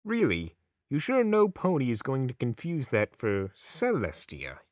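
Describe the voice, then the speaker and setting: A man's voice: wildly swooping pitch, a little slow, dry recording, clean studio sound. An actor playing Discord, a snarky, theatrical male chaos spirit in a fan radio drama. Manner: sarcastic, theatrical swings in pitch.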